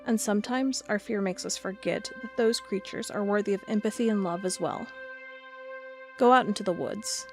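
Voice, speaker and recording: A woman acts out a stubborn, driven investigator of strange creatures. She speaks with dramatic, expressive intensity at an average pitch, as in an audio drama. Soft music sits behind her voice. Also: normal speed, natural voice. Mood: tender, reflective. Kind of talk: audio drama narration and dialogue.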